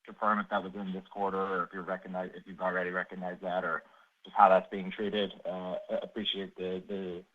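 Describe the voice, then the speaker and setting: A man speaking as a financial analyst, asking questions on an earnings call in a halting, tentative way. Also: deep voice, level tone. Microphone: phone line. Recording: dull, lo-fi call audio.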